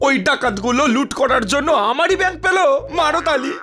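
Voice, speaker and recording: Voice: high-pitched, animated, brisk, pushed and bright, faint music behind. An actor voicing a self-pitying cartoon bank manager who laments in a theatrical, sing-song way. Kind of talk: cartoon dub acting.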